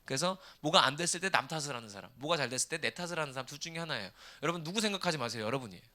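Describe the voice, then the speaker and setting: A man in his thirties preaching a sermon, asking the congregation rhetorical questions in an animated way. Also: a little high, racing. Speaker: pastor.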